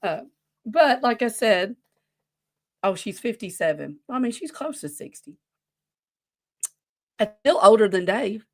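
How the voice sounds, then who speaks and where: A woman's voice: mid-range voice, lively intonation, measured pace, long pauses. A woman in her forties co-hosts a casual talk show. She speaks in a loose, rambling way and often wanders away from her point. The delivery is conversational and unscripted. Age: 40s. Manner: rambling, easily sidetracked. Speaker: podcast co-host running a wrestling quiz. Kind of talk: casual chat.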